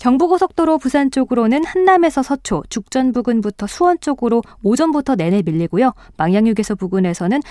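Dark and mellow in tone, a woman's high voice moves at a fairly quick pace with very wide pitch swings. The sound is dry and close, without echo. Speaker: radio news and traffic announcer. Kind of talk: news reading. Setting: studio.

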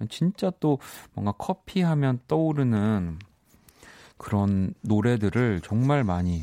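This man's dark, mellow tone moves through very wide pitch swings, heard dry and close with no echo on a very clean recording against a silent background. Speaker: radio host. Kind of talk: late-night radio chat. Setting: radio studio.

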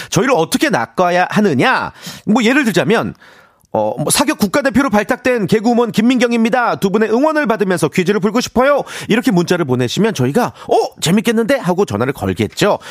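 A man speaks in an animated tone at a fairly quick pace, his pitch high with very wide swings and his loudness very even. The sound is dry and close, with no echo. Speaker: radio quiz segment presenter. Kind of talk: radio quiz show banter. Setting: radio studio.

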